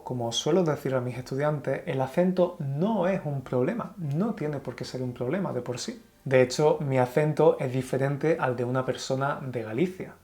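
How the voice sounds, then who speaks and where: A man from Andalusia, speaking with an Andalusian Spanish accent, giving a calm and clearly explained Spanish lesson to learners. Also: mid-range voice. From Andalusia, Spain. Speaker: Spanish teacher. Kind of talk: scripted online Spanish lesson.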